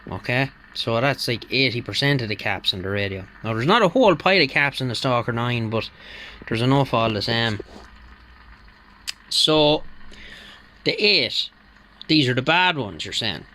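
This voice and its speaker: A man's voice: mid-range voice, lively intonation, normal speed, long pauses, sharp tone. A man talking casually through a radio repair demonstration at his workbench, rambling with lots of fillers. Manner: rambling and conversational, with many fillers.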